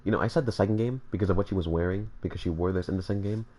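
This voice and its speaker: A man's voice: low voice, very fast, warm tone, soft background music. A man with a slightly congested voice, joking and rambling to his viewers as he plays through a game. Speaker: gaming channel host. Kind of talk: casual let's-play commentary.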